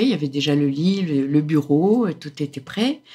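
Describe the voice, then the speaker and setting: With lively intonation, a woman speaks fairly slowly in a fairly low voice. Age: 60s. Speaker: widowed retiree hosting students. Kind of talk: interview. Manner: hesitant with fillers.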